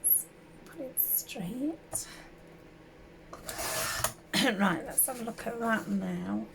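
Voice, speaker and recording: Chatty hoarse woman crafting with a cold. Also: fairly high pitch, extremely slow, background noise. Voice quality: gravelly, slightly hoarse. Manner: chatty, rambling, many fillers and self-corrections. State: sore throat from a summer cold. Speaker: craft channel host. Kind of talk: casual crafting tutorial.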